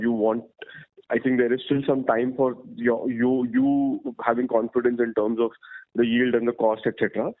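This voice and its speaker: A man asking questions as an analyst on an earnings call, speaking politely and haltingly. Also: mid-range voice, no echo. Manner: deferential, hesitant, halting. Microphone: telephone. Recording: narrowband phone line.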